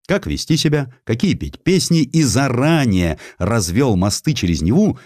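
A man's voice: medium pitch, a little mellow, no room sound. A man narrating historical sketches with theatrical, ironic delivery at a close studio microphone.

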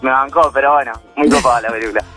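A man's voice: medium pitch, fairly even intonation, racing, pushed and bright, faint music behind. A man in his twenties calling in to a radio show, chatting casually and easily. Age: 20s. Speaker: caller. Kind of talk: casual radio call-in chat.

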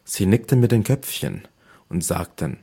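Deep, husky male fairy-tale reader. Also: expressive, normal speed, mellow. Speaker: narrator.

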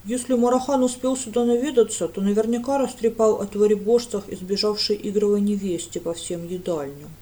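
A woman voicing a grumpy young male guard who speaks gruffly and sarcastically. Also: medium pitch, a little fast, hardly any pauses, dark tone, lightly acted.

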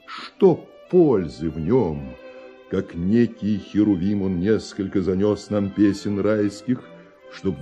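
An actor playing a brooding, envious composer in a radio verse tragedy, speaking in a solemn declamatory manner with weighty pauses. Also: male voice, on the low side, warm tone. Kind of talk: theatrical verse monologue, classic Russian radio play.

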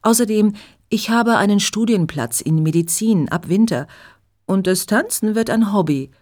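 A woman's voice: mid-range voice, moderate pace, a little mellow, voice pushed up, natural voice. A woman reading a cheerful young local woman. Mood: friendly.

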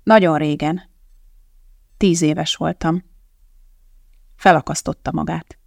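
An audiobook reader voicing a grieving, blunt woman chemist who speaks in a flat, guarded way. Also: mid-range voice, creaky, dry recording, clean studio sound, close to an everyday voice.

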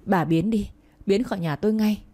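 A woman's voice: medium pitch, normal speed, mellow, natural voice. Woman voicing a tearful, defiant little girl. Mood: angry. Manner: pleading, crying outbursts.

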